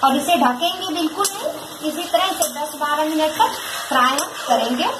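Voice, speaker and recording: High-voiced woman teaching a recipe in an echoey kitchen. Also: normal speed, heavy background noise. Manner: patient, repeats instructions, directly addresses viewers. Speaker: home cook presenting a recipe. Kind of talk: step-by-step cooking demonstration. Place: home kitchen at the stove.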